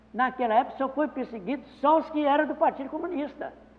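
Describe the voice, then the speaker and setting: Noticeable background noise sits under a man's extremely high-pitched voice. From Brazil, northern Minas Gerais. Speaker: peasant movement leader. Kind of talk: testimony. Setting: seminar with audience.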